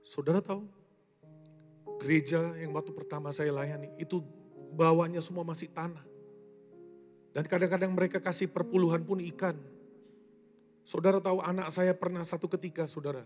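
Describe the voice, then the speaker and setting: A man preaching a sermon as pastor, calling the congregation "saudara" and swinging from loud emphasis to quiet asides. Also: a little high, steady tone, moderate pace, long pauses. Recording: long hall reverb with soft music behind.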